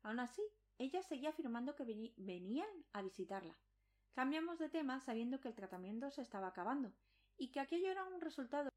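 A woman's voice: high voice, sing-song, fast, a little mellow. A woman reading a scripted first-person supernatural horror story as a dramatic narration.

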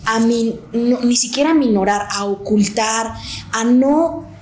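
A woman with a Mexican accent co-hosting a podcast in casual chat, animated and slangy, with emphatic teacherly asides. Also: a little high, a little slow, reverberant. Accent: Mexican Spanish. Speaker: podcast co-host.

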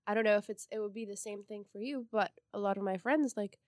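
A young woman from Palestine talking as a guest on a casual podcast. She speaks in a relaxed, easygoing way. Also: mid-range voice, quick pace, no echo, clean studio sound.

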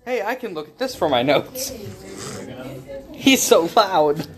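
A young man in casual, crude banter with friends, quick and joking. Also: high-pitched, sing-song. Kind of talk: casual chat among friends. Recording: loud crowd noise behind.

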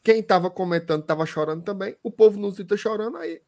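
A man hosting a casual sports chat, speaking. His voice sits fairly high and he talks in a lively way, laughing often and using a lot of regional slang. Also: fast. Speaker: host.

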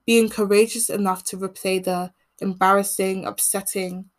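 A young woman from England hosting a podcast, speaking in an earnest, measured monologue, with a voice that turns croaky as she keeps talking. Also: medium pitch, steady tone. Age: teens. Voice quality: croaky voice when speaking long. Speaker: podcast host. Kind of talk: reflective solo monologue.

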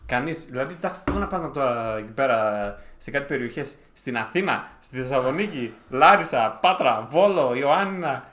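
A man's voice: medium pitch, animated, hardly any pauses, a bit bright. A man co-hosting a podcast, chiming in casually with complaints and sign-off plugs. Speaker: podcast co-host. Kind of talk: casual banter. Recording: echoey room.

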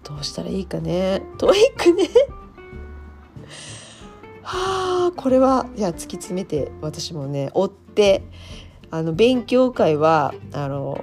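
A woman talks in a loose, chatty way, full of fillers and short laughs. Her pitch swings widely up and down. Soft guitar music plays faintly underneath. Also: animated, slow. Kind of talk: casual chat.

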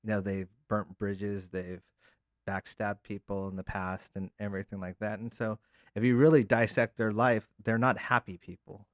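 Low-voiced thoughtful male co-host. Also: level tone, moderate pace, no echo. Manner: thoughtful, explains in long rambling sentences. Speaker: podcast co-host. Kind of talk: casual reflective chat.

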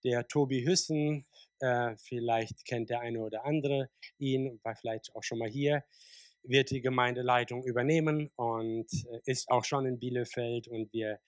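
Kazakhstan-born pastor preaching conversationally. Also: male voice, mid-range voice, steady tone, measured pace, dry recording. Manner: conversational, with frequent fillers and restarts. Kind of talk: sermon. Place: church service.

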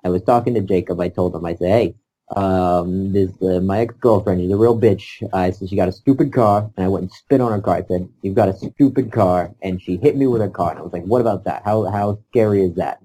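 A man playing a rambling, stammering older horror author who tells crude stories deadpan. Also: low-pitched, fairly quick.

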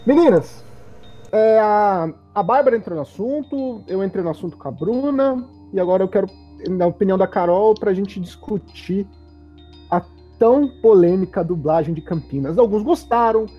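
A woman's voice: medium pitch, lively intonation, normal speed, husky. A woman hosting a casual livestream chat in Brazilian Portuguese, reading viewer comments aloud and putting questions to her co-hosts. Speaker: host. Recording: dull lo-fi stream audio with faint music.

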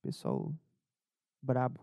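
A man with a southern Brazilian accent rambling casually as a solo podcast host, low-energy and irreverent, hungover and under the weather with a cold. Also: takes it slowly, warm tone, no room sound, clean studio sound. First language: Portuguese. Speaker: podcast host and amateur comedian.

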